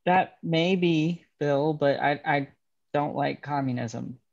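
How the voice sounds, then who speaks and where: A man's voice: fairly high pitch, takes it slowly, creaky. Man playing a reserved newcomer miner, dull recording. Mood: doubtful, firm. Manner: reserved, hesitant. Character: hesitant newcomer miner, polite but firmly anti-communist. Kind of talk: table-read acting.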